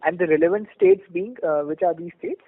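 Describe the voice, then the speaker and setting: A man's voice: a little high, wildly swooping pitch, a little fast, vocal fry, a little hiss or hum. A man with an Indian accent, an analyst asking polite, hesitant questions on an earnings call with frequent "you know". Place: conference call. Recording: dry, narrow-band phone line.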